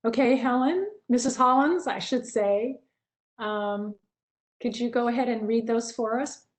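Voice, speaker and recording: A woman's voice: fairly high pitch, a little slow. A woman chairing a school board meeting, politely handing the floor to a colleague and correcting herself.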